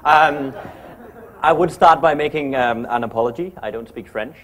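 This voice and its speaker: A man whose first language is Danish, giving a chatty, fast-paced public lecture in English as an architect. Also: medium pitch, fairly bright tone. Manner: fast-talking, chatty, self-deprecating.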